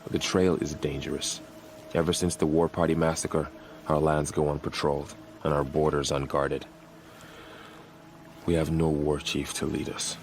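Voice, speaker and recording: A man playing a dutiful, solemn tribal warrior guarding a gate in a video game, speaking in a measured, earnest, grave manner. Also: very deep voice, little pitch movement, a little hiss or hum. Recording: faint music behind the voice.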